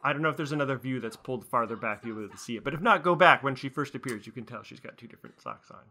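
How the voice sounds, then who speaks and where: A man's voice: mid-range voice, expressive, rapid-fire, sharp tone. A man giving casual creator's commentary on a web series episode, speaking conversationally. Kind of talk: casual director's commentary chat. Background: background music.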